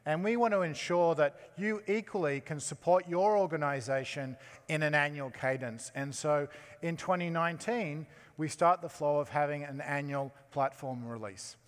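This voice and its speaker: A man giving a conference keynote as technology chief, talking in a halting way with many fillers and restarts. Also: a little high. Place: large conference hall. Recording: long hall reverb.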